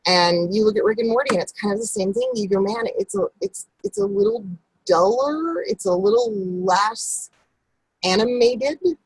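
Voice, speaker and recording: Husky-voiced woman voiceover coach. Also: moderate pace, low-quality recording. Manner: animated, jumps up in pitch for emphasis. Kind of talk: casual interview chat.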